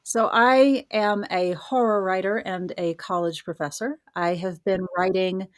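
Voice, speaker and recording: A woman's voice: mid-range voice, fairly even intonation, unhurried, no room sound. Middle aged lady chatting as an interview guest, articulate, self-deprecating, super dry sound. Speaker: podcast guest, horror writer and college professor. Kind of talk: casual interview storytelling.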